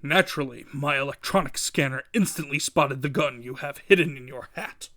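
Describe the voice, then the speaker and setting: A man's voice: mid-range voice, bright, forceful tone. Man putting on a pompous, imperious crime kingpin villain. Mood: smug menace. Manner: pompous, grandiose, deliberate. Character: huge imperious crime boss villain, cold and contemptuous.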